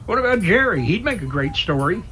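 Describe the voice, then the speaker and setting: A man's voice: high voice, sing-song, fairly quick, fairly bright tone. A man playing a breezy, self-deprecating daredevil pilot in an amateur radio drama.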